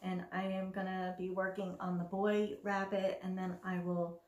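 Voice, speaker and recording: A woman's voice: fairly low pitch, little pitch movement, moderate pace, a little mellow, echoey room, lo-fi sound. A middle-aged woman chatting casually and enthusiastically as she shows her cross stitch projects, with a self-deprecating humor. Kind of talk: casual show-and-tell chat. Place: home craft room.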